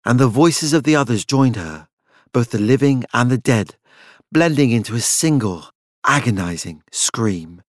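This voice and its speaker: A man narrates a literary tale with measured drama. His voice sits at an average male pitch, and the recording is dry and intimate, free of room sound. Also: expressive, dry recording. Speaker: audiobook narrator. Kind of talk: scripted literary story narration.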